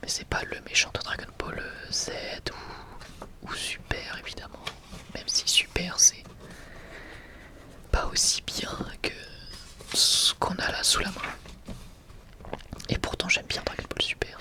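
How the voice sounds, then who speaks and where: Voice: slow, long pauses. An ASMR creator whispering breathily and close to the mic in a casual, rambling, enthusiastic way, often correcting themselves.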